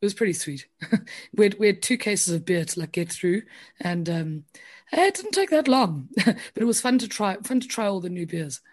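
A woman's voice: mid-range voice, sing-song, moderate pace. A woman co-hosting a casual podcast chat, telling a personal story in a chatty way and laughing often. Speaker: podcast co-host.

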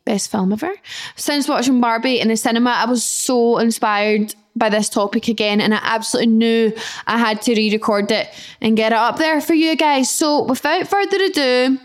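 A woman hosting a casual solo podcast, chatty and emphatic, recorded in a small flat with some room echo. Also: fairly high pitch, normal speed. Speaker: podcast host. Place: indoors, small echoey flat.

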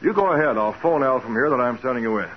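An actor playing a blustery, reluctant company boss, exclamatory and hesitant, in 1940s radio drama style. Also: male voice, mid-range voice, expressive, quick pace, natural voice. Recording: dull, noisy 1940s radio recording.

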